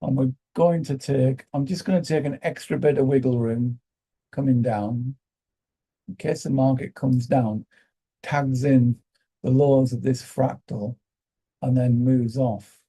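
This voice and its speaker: Man, British accent, croaky, very dark tone, husky, halting live trading commentary. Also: medium pitch, steady tone, rough recording. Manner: thinking aloud, halting with fillers. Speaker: day trading host.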